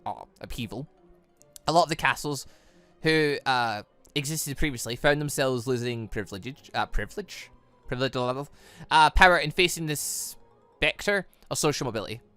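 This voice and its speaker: Animated bright-voiced man, gaming commentary. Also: fairly high pitch, no room sound. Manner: stumbles over words and corrects himself. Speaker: gaming channel host. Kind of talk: visual novel read-aloud with off-the-cuff commentary.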